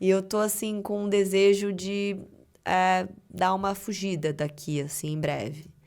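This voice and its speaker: With ordinary pitch variation, a woman's medium-pitched voice moves at a fairly slow pace. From Brazil, Belém do Pará. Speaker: self-knowledge and mental health coach. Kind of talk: podcast interview. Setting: studio.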